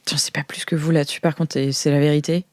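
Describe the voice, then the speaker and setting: A woman's voice: sits low, flat delivery, quick pace, darkish tone, no room sound, clean studio sound, close to an everyday voice. A woman improvising a flustered, hesitant museum agent who explains things defensively in an audio roleplay. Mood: evasive, flustered. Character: flustered young woman, junior integration agent in a futuristic museum.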